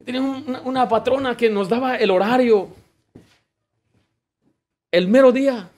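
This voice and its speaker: A male pastor delivers a fervent sermon. His voice sits high for a man, and he keeps weaving in homely stories from his working days. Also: moderate pace, darkish tone. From United States. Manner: fervent preaching with personal work anecdotes.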